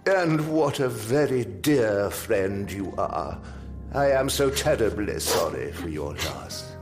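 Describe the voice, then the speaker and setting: Slow, sinister, courtly undertaker. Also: male voice, on the low side, animated, soft background music. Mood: falsely sympathetic. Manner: unctuous, formal, ornate phrasing. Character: sinister, courtly funeral director, elegant, pale, falsely sympathetic. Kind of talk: audio drama acting.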